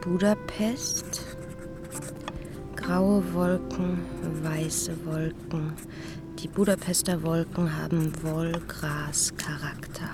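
Slow, musing young woman. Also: low-pitched, steady tone, loud music behind the voice. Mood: dreamy, musing. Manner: fragmentary, musing, often softly spoken. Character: dreamy, musing young woman writer on honeymoon flight. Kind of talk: radio drama interior monologue.

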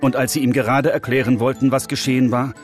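A man narrating a children's Christmas story in a gentle, expressive voice of middle pitch. Soft music plays faintly beneath him. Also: fast talker.

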